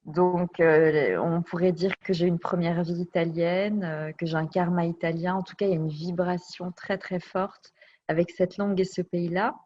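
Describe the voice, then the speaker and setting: A woman's voice: fairly low pitch, fairly even intonation, moderate pace, a little mellow, a little hiss or hum. A woman telling her life story as an interview guest. She speaks reflectively and searches for her words. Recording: dull lo-fi recording.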